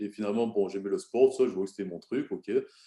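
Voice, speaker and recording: Dark and mellow in tone, this man's voice sits at a medium pitch. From southern France, Marseille. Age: 30s. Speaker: real estate investor, former navy sailor. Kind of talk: interview. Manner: halting, many fillers.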